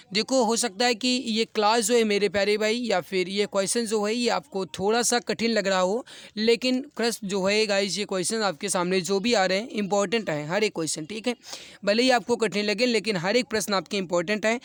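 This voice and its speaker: Male exam tutor, sore throat. High, smooth voice, dry close sound. Earnest and encouraging, repeats every question. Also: fairly bright tone, no room sound. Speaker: exam-prep teacher. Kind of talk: online exam practice class.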